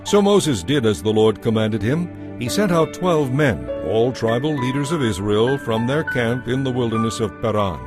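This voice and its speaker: A man narrating a dramatized audio Bible with measured, solemn scripted delivery. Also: medium pitch, expressive, music in the background.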